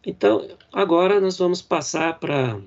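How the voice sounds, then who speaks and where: A man from Brazil delivers a university lecture on poetic verse and fills his explanations with small fillers. His voice sits a bit high for a man, and it reaches the listener through dull, muffled audio. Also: vocal fry. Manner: reads verse lines slowly and deliberately. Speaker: literature professor.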